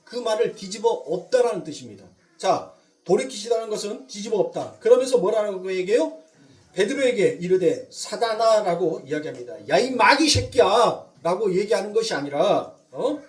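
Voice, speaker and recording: A man's voice: sits high, animated, fairly quick, mellow, distant mic. A male pastor preaching a sermon, putting questions to the congregation and answering them himself with rising emphasis. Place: church sanctuary.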